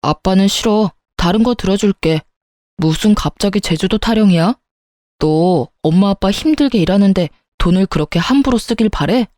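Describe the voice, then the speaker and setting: A stubborn, hot-tempered middle-aged father barks and blusters at his family, as a woman narrator puts him on. The voice is mellow and close, recorded dry for a read-aloud story. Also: medium pitch, animated, moderate pace, no echo, natural voice. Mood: angry. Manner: shouting, bullying, indignant.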